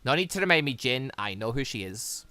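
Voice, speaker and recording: A man's voice: mid-range voice, sing-song, a little fast, pushed and bright, voice pushed down. A man voicing a proud, guarded warrior mother from a visual novel, in terse and challenging lines. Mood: curt. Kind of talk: visual novel character read aloud.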